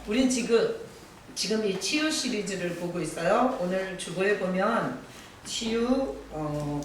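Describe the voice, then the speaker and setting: A pastor delivering a sermon from the pulpit in a middle-pitched voice, telling stories with gentle humor and calling on people in the pews by name. The voice rings through a very echoey church hall and sounds somewhat distant from the mic. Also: animated, measured pace, slight background noise. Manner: warm storytelling with gentle humor; addresses congregation members by name.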